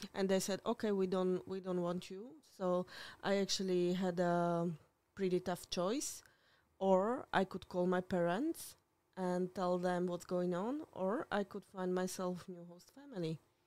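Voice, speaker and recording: A woman with a Slovak accent and a medium pitch speaks at a fairly slow pace, her tone dark and mellow and her intonation fairly even, in a very clean recording with a silent background. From Slovakia, Zahorie (Senica). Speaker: marketing professional. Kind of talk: casual interview chat. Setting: live-streamed video podcast.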